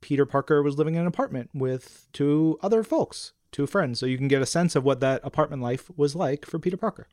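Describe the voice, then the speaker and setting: A man's voice: on the high side, brisk, hardly any pauses, a little mellow, no room sound, studio quality. A man co-hosting a casual comics fan podcast, chatting enthusiastically and reading out listener messages. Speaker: podcast co-host.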